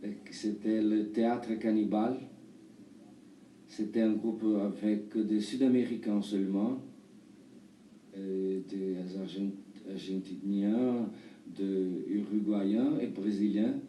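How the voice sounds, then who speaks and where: A man in his thirties from Brazil answers interview questions in halting, imperfect French with a Brazilian accent. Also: on the low side, steady tone, dark tone. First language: Portuguese. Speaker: actor and performer being interviewed. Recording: roomy, distant mic, faint noise.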